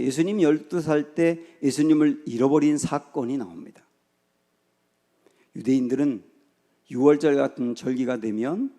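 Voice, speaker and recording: Korean pastor preaching in a reverberant church. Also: male voice, a little high, mellow. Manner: storytelling, acting out quoted lines with raised voice. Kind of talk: sermon. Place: church sanctuary. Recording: long church hall reverb.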